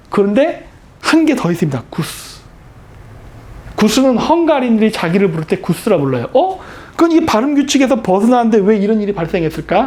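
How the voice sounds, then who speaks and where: A man with a high-sitting, darkish voice delivers a history lecture. He explains with emphasis and often poses rhetorical questions that he then answers himself.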